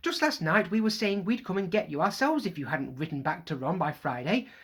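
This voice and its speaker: A teacher reading a children's novel aloud, voicing a short, plump, protective mother in a high, loud scolding voice. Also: expressive, fairly quick, husky. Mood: fretful. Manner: shrill scolding, shouting.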